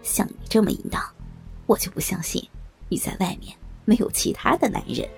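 A woman's voice: medium pitch, very animated, fairly quick, vocal fry, soft background music, pitched below the performer's own voice. A woman voicing a sly, leering old man who gloats and chuckles mockingly. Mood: gloating, sly.

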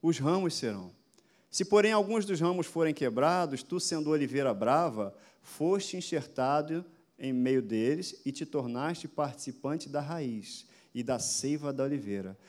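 A man's voice: on the high side, expressive, normal speed, darkish tone. A man preaching a sermon as pastor, asking his listeners rhetorical questions and building emphasis. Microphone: addressing a camera for an online audience.

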